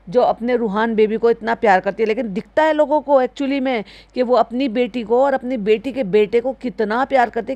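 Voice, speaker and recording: A woman's voice: on the high side, no echo. A woman giving casual, critical reaction commentary in speech, asking pointed rhetorical questions.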